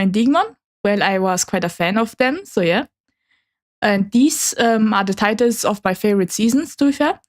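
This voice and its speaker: A woman whose first language is Chinese, chatting casually and a little awkwardly as a new VTuber streamer presenting slides. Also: medium pitch. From Germany. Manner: hesitant, slightly awkward, apologetic.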